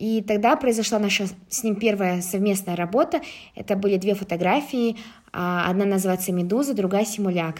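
A woman talks with ordinary pitch variation around a medium pitch, keeping a moderate pace. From Kazakhstan, Almaty. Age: 20s. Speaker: artist and photographer. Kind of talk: interview.

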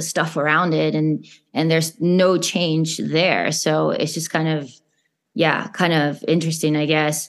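Against a quiet background, a woman with a plain, everyday voice speaks at a fairly slow pace, her fairly low pitch following fairly even intonation. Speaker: podcast host. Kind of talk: casual interview.

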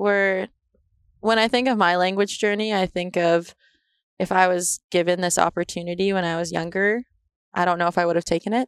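A woman with a western Canadian accent and medium pitch, at a fairly quick pace with fairly even intonation, in a dry, close sound with no echo on a very clean recording with a silent background. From Squamish, British Columbia, Canada. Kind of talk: casual chat. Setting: outdoors.

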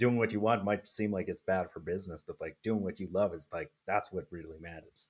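A man talks at a fairly quick pace, pitched fairly low. His is an unremarkable speaking voice. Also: very clean recording, silent background. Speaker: podcast co-host. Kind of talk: casual chat.

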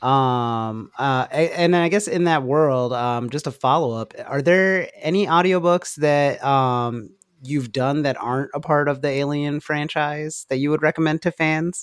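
A man talks in a fairly high pitch, at a fairly slow pace. He has an unremarkable speaking voice. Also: ordinary pitch variation, hardly any pauses. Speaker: podcast co-host. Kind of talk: casual chat.

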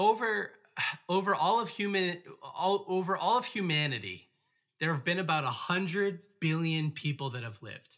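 Energetic and high-pitched, a man speaks with lively intonation. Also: moderate pace. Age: 20s. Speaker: author and book business founder. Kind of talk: podcast interview.

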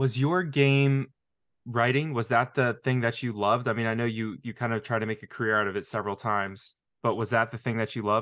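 Over a quiet background, a man with a normal speaking voice talks at a fairly quick pace and medium pitch. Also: fairly even intonation. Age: 30s. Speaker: podcast host. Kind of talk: interview conversation.

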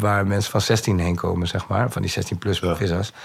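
A man speaks with a fairly low pitch. Noticeable background noise runs under his voice. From Netherlands. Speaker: performer. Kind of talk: casual chat.

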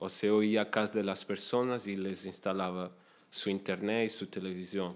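Fairly even intonation runs through a man's speech at a moderate pace. He has a plain, everyday voice. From Portugal, Lisbon. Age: 20s. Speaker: guest, telecom worker. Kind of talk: casual interview.

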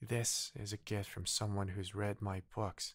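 A man with a fairly low, somewhat breathy voice speaks at a fairly slow pace in a soothing tone, recorded very cleanly against a silent background. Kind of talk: bedtime story reading aloud. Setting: ASMR. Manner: soft, slow, soothing.

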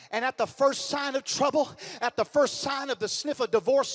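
A man talks in an extremely high pitch with an animated tone at a fairly quick pace. The sound is dry and close with no echo, though there is noticeable background noise. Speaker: preacher. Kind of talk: sermon to a youth convention, with call-and-response. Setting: church stage with a live youth audience. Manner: animated, fervent, rousing; exhorting, repeating phrases, building to shouts.

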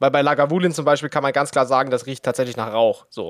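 A fairly high-pitched man on a very clean recording with a silent background. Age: young. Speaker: podcast co-host. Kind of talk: casual chat. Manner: animated.

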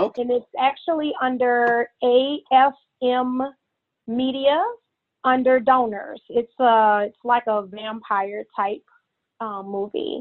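A woman with a high pitch and ordinary pitch variation talks very slowly. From New Orleans, Louisiana. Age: 30s. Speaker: plus-size fashion model and author. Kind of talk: interview.

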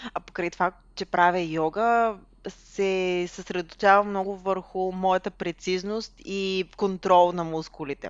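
In a monotone, flat intonation, a woman's speech drags along at a very slow pace. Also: medium pitch for a woman. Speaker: podcast co-host. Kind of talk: casual chat.

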